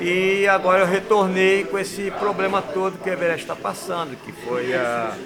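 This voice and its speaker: Speech at a moderate pace with ordinary pitch variation and hardly any pauses runs over noticeable background noise. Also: man, high pitch for a man. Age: 70s. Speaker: football club president and former player. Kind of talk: interview storytelling. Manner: conversational, filler 'entendeu'.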